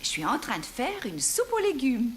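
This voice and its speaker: A woman playing a cheerful, encouraging grandmother in a children's cartoon, speaking in a gentle singsong way. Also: high-pitched, huge pitch swings, moderate pace, slight background noise. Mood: pleasant, gentle. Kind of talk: French children's cartoon acting.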